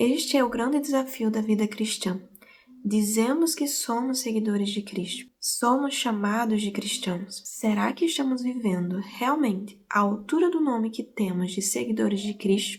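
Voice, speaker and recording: Soft-spoken and somewhat breathy, a woman talks fairly slowly at a fairly high pitch with ordinary pitch variation. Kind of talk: devotional reflection to camera. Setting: at home, living room. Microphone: no microphone, chargers dead, audio may be poor.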